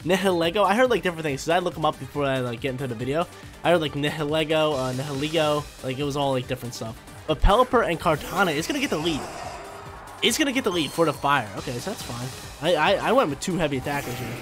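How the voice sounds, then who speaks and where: A man's voice: fairly high pitch, animated, quick pace. A young man with a stuffy, nasal voice from allergies, giving hyped, slangy commentary over his own video game battles from a small room at home. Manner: hyped, slangy, talks to himself about moves. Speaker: gaming YouTuber. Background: faint game music.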